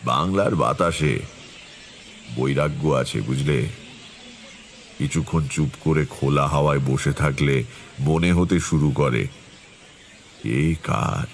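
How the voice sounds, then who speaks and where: Very deep-voiced tantric storyteller. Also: male voice, a little hiss or hum, heavily acted. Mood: reflective, suspenseful. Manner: measured, atmospheric, self-assured. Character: Taranath, seasoned confident male tantric recounting eerie tales. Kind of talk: dramatic first-person horror storytelling. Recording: music behind the voice.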